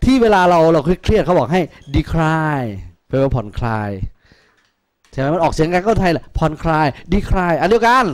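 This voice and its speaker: Guy tutoring math in a classroom, slightly high voice, cracks crude jokes at students. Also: expressive, moderate pace. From Thailand. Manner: joking, crude, teasing students. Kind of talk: classroom lecture.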